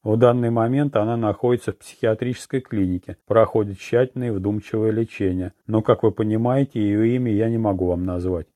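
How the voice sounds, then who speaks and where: Low, dark-voiced male audiobook narrator. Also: steady tone, fairly quick, few pauses, dry recording, clean studio sound. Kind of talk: scripted narration.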